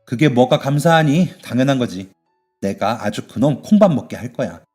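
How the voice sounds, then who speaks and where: A man voicing a tough but caring middle-aged woman who runs a bathhouse, yelling at thugs and fussing over her young worker in a radio story. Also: mid-range voice, expressive, normal speed, faint music behind, natural voice. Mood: doting. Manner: shouting threats, then fussing warmly.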